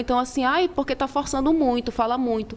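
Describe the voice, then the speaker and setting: With a strong Manaus accent, a woman speaks high-pitched at a fairly quick pace against noticeable background noise. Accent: strong local Manaus accent and dialect. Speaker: social media influencer. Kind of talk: casual chat.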